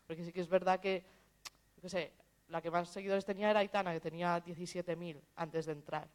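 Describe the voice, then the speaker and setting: A woman's voice: on the low side, fairly even intonation, a little fast. A woman speaking in a casual panel conversation as a social media manager. She is chatty, tells anecdotes and acts out the voices she quotes. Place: festival stage talk.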